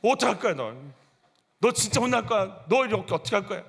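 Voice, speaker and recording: A man's voice: sits high, lively intonation, quick pace, gravelly, fairly bright tone, husky, big-room sound, full character voice. A man acting a stern scolding mother. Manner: stern, questioning. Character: scolding mother of a mischievous child.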